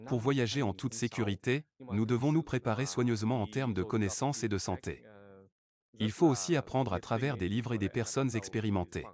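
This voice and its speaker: A man reading translated interview answers as a voice-over in a calm, plain way. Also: medium pitch, a little fast.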